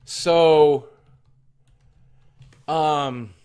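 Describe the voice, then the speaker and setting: A man casually chatting on a live stream, reading chat and adding up costs aloud with many pauses and fillers while chewing cough drops. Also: fairly high pitch, steady tone, a little mellow, clear, resonant tone.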